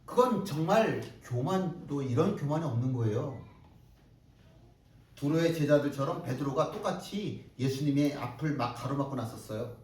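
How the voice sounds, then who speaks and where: A man's voice: medium pitch, animated, normal speed, darkish tone. A male pastor preaching a sermon with emphatic rhetorical questions and repeated phrases for stress. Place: church sanctuary. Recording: echoey hall, mic at a distance.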